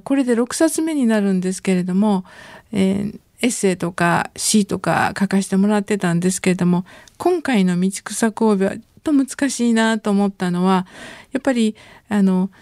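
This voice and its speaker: A middle-aged woman giving a radio lecture, reading her own essay in a gentle, unhurried way with soft fillers. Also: medium pitch, no echo, studio quality. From Japan. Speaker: essayist and city information center head.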